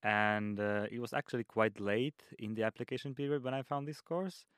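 A man's voice: medium pitch, steady tone, normal speed, fairly bright tone, clean tone, dry recording, clean studio sound. A nineteen-year-old man from Slovakia, a student guest on a podcast, talking earnestly with hesitant fillers. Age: teens. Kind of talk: casual podcast interview.

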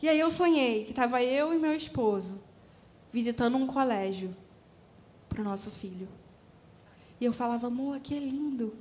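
A woman in her thirties speaks in a high, bright register. She tells a church testimony as a story, acting out her own past words with open emotion. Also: moderate pace, long pauses, slight background noise. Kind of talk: sermon testimony.

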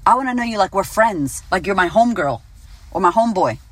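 Late-30s woman coach, blunt and swear-heavy, mid-pitched, dry close recording. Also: fast, husky, dry recording. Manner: blunt, swears freely, animated. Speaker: business coach and podcast host. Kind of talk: casual motivational monologue.

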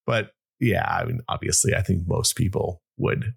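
A man's voice: low-pitched, wildly swooping pitch, normal speed, vocal fry, slightly rough. A man hosting a podcast in casual chat, rambling with many restarts and fillers. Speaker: podcast host.

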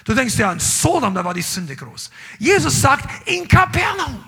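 A middle-aged man preaching a sermon to a congregation, swinging between loud calls and low asides. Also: big pitch swings, normal speed, husky. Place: church hall with live congregation.

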